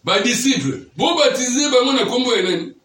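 A man's voice: extremely high pitch, animated, brisk, fairly bright tone. A man preaching a teaching sermon, often checking that his listeners follow him with questions. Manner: keeps quizzing listeners with questions. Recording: echoey room, mic far off.

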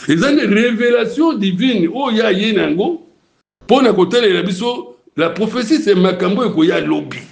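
Un homme à l'congolais qui prêche un sermon et demande souvent à l'assemblée si c'est clair. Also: male voice, high-pitched, expressive, normal speed. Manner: preaching in Lingala mixed with French, asking the crowd if it is clear. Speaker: preacher.

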